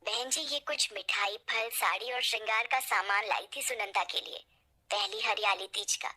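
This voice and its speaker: A woman's voice: mid-range voice, moderate pace, bright, forceful tone. A woman voicing a humble, poor older mother in a spoken storybook tale, speaking meekly and pleadingly. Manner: meek and pleading.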